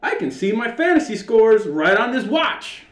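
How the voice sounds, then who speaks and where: An American man co-hosts a podcast with a carrying, fairly high voice. He tells stories in a loose, profane way and voices each exchange as he goes. The room around him is noticeably echoey. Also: moderate pace. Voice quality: loud, carrying voice. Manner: animated, profane, acts out reported dialogue. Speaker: podcast co-host. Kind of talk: casual storytelling banter.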